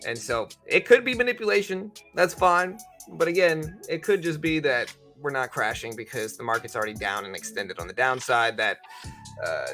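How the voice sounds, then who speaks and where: A man's voice: mid-range voice, bright, forceful tone. A man hosting a livestream, giving casual, conversational market commentary and explaining things informally to viewers. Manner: informal, conversational, explanatory, hedging both sides. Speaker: livestream host and stock trading commentator.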